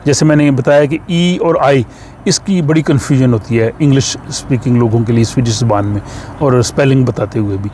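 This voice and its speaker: A man with an Urdu accent explains a language lesson at an unhurried pace, pausing often on fillers. His voice sits at an ordinary middle pitch. Faint car and street noise hums behind him. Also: mellow. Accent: Urdu-speaking. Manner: slow, explaining with many fillers. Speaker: language teacher.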